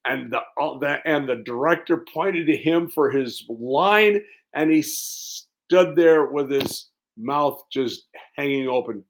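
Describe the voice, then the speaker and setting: Slow, deliberate male preacher. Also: on the high side, rough recording. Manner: slow, deliberate preaching with emphatic lists and quiet drops. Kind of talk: Easter sermon.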